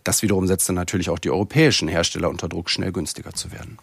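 A man delivering a news report as a correspondent, fast and matter-of-fact. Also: deep voice, steady tone, gravelly, breathy edge, no room sound.

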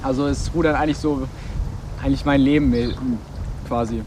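A man's voice: medium pitch, fairly even intonation, brisk, a little mellow, a little hiss or hum. A young man in his teens talking casually and hesitantly in an interview.

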